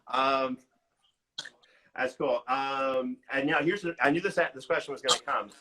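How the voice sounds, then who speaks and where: A man's voice: medium pitch, measured pace, background noise. A man hosting a casual livestream interview, conversational and rewording his questions as he goes. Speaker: podcast interviewer.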